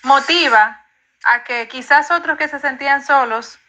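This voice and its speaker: A woman therapist calmly explaining emotions and grief in an interview, in a reassuring, explanatory way. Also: high voice, measured pace, background noise.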